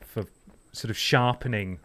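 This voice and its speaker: A man hosting a live stream, chatting casually while playing a game, animated, laughing and swearing at it. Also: on the low side, measured pace. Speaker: streamer host.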